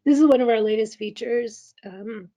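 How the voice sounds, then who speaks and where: Hoarse woman presenting a webinar demo. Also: fairly high pitch, dark tone, no room sound. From California. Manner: halting, many ums. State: losing her voice, clearing her throat. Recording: dull, lo-fi webinar audio.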